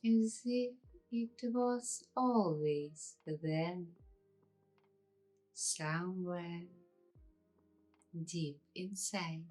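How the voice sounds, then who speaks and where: A woman guiding an ASMR meditation in a hushed, unhurried way, leaving long pauses between short phrases. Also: lowish voice, soft background music, low-quality recording. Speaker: ASMR host and meditation guide. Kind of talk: slow ASMR guided meditation.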